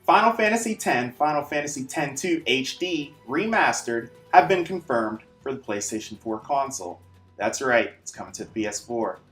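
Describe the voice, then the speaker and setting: A man presents gaming news as the host of a weekly show. His voice sits at an average male pitch, and he reads his script with informal, punchy emphasis and dramatic pauses. Faint music plays behind him. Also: expressive, a bit bright.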